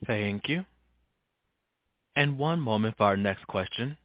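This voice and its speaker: A man's voice: on the low side, expressive, slow pace, no echo. A man making scripted announcements as a conference call operator, with slightly dull audio.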